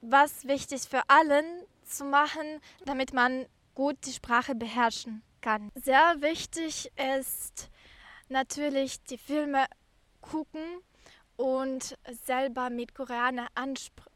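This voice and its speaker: Female podcast guest, high voice, halting delivery, dry close recording. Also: steady tone, fairly bright tone, no echo. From Ukraine. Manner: halting, careful non-native phrasing. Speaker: podcast guest, career mentoring volunteer. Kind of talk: interview answers.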